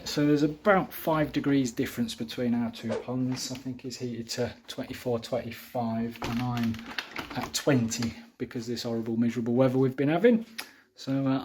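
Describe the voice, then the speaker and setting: Recorded on a camera mic that alternates between handheld and tripod, a koi keeper vlogs from his back garden pond in a relaxed, homely, filler-heavy way. His voice is medium-pitched and darkish, at a normal pace, with slight background noise.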